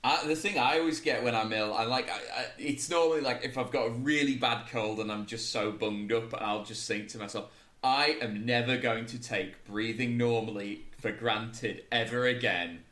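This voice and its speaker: Male podcast co-host, bright tone, echoey room, chatty and laughing easily. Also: mid-range voice, moderate pace. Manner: chatty, laughs often, many restarts. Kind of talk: casual chat.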